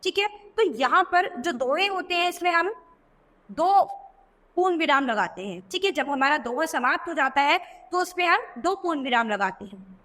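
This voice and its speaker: High bright woman teaching children. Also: big-room sound. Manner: explaining patiently, often checking in with the class. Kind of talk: grammar lesson for children.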